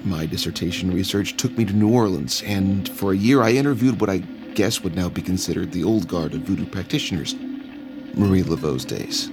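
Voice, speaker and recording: A man's voice: sits low, brisk, over music. An actor playing a nervous young male anthropology professor who hesitates and fumbles. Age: young adult. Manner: hesitant, fumbling, full of uhs.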